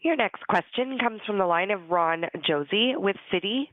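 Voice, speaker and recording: A woman's voice: mid-range voice, animated, moderate pace, no room sound. A woman conference call operator making formal, scripted announcements over a telephone line. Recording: dry, tinny telephone line.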